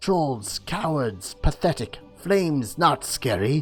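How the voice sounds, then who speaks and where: Over hissing and faint background music, a man does a put-on character voice at a fairly high pitch and a fairly slow pace. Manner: hissing, scornful.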